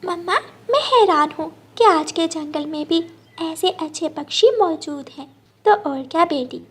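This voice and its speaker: A woman's voice: very high voice, measured pace, voice pushed up. A woman voicing an eager, earnest young girl bird in a cartoon story. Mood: amazed.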